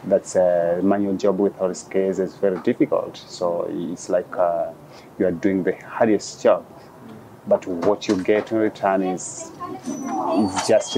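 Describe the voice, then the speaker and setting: A young man from Kenya, a guest in an interview, speaking haltingly with many restarts, on a lapel mic in an outdoor dome. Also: sits low, noisy background. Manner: halting, with frequent restarts and fillers. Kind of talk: conversational interview. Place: outdoor glass dome on a city square.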